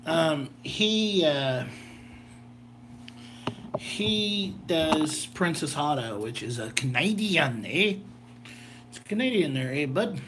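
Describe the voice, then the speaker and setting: A man's voice: on the high side, animated, takes it slowly, long pauses, background noise. A slightly tired American man rambling casually through a homemade vlog in a folksy, jokey way. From southern Illinois, United States. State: a little tired. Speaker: gadget video host.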